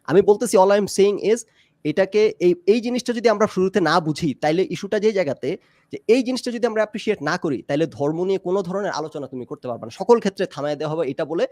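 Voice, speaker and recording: A man's voice: high voice, animated, fast, darkish tone, no room sound, clean studio sound. A man arguing his point in a casual debate, mixing English phrases into his speech. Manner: argumentative, mixes English phrases into Bengali. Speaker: discussion guest. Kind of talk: casual debate on a live stream.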